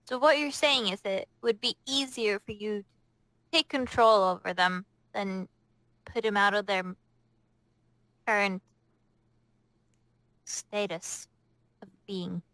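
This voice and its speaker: A woman's voice: medium pitch, fairly even intonation, slow, pauses often, a bit bright, no echo, poor audio. Woman gamer with close, dry sound. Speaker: tabletop roleplay player. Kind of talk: casual in-character game talk.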